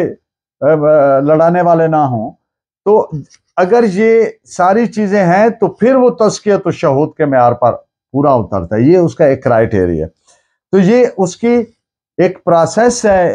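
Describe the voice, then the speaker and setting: A man with a Pakistani accent giving a formal law lecture, mixing in English terms, deliberate and emphatic, repeating phrases in translation. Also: fairly high pitch, darkish tone.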